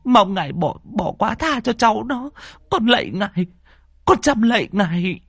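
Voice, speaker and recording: A man voicing a fretful old village grandmother, in a high, quavering, pleading voice. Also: sing-song, moderate pace, vocal fry, fairly bright tone, husky, dry recording, clean studio sound, full character voice. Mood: pleading prayer.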